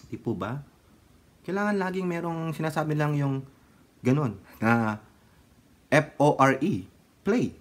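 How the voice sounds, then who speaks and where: A man's voice: fairly high pitch, animated, a little slow, long pauses. A man with a Filipino accent giving sarcastic, casual commentary in a vlog, laughing often and breaking into bits of song. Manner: laughs often, sings snatches of songs. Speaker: political commentary vlogger.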